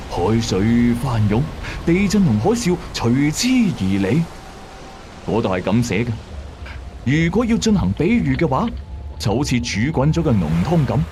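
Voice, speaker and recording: A man with a Hong Kong Cantonese accent hosting a late-night strange-tales show, narrating scripted mysteries in a measured, dramatic storyteller's way. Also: medium pitch, darkish tone. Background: background music.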